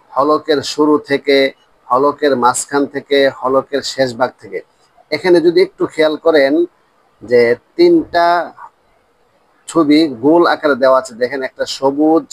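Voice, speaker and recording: A man teaching a Quran pronunciation class, slowly repeating letter sounds for his students. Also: medium pitch, dry recording, poor audio. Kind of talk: religious lesson on Arabic letter pronunciation.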